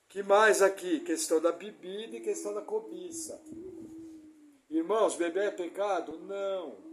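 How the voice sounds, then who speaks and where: A man preaching a sermon as pastor, emphatic, putting rhetorical questions to the congregation and swinging between loud stresses and quiet asides. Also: high voice, a little hiss or hum. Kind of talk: expository sermon.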